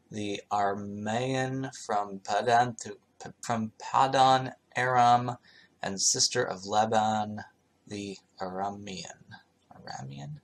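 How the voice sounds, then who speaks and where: A man with a medium-pitched voice reads aloud as a casual host. His delivery is informal and irreverent, moving between the written text and his own offhand commentary. The tone is wry and sarcastic. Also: fairly bright tone. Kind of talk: casual read-aloud with ad-libbed asides.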